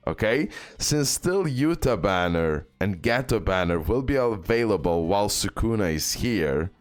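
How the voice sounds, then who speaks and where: Male gaming host, low register, casual and emphatic, repetitive advice style, echoey room with faint music underneath. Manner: emphatic, repetitive, with frequent check-in tags. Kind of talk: casual advice commentary on a mobile game. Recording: roomy echo, faint music behind.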